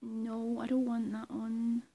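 A woman's voice: fairly high pitch, monotone, slow pace, creaky, mellow, breathy edge. A young woman chatting casually to her webcam in a small room, swearing and laughing often. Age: young adult. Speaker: vlogger. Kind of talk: casual vlog chat.

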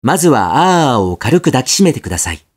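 A man's voice: medium pitch, big pitch swings, fast, husky. A young adult man reading scripted narration in a polite, carefully articulated product-guide manner. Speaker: voice actor, narrator.

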